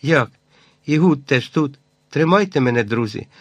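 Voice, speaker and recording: A weak, faltering hermit, as a male narrator puts him on, speaking softly and unsurely in a low voice, as in a storybook reading. The voice is dry and close. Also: animated, moderate pace, no echo, natural voice. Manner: faltering, quiet, unsure speech. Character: weak, injured bearded man, long alone.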